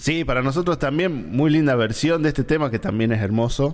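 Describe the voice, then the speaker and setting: A man's intonation rises and falls in a lively way on a very clean recording where the background is silent. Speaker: radio host. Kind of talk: casual radio chat. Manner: halting.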